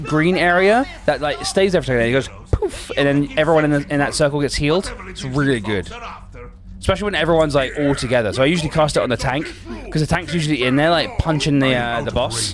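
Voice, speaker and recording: A man speaks very fast with a fairly high pitch and an animated tone. His intonation is lively, with noticeable background noise behind him. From London, England. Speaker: streamer. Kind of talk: casual chat while gaming.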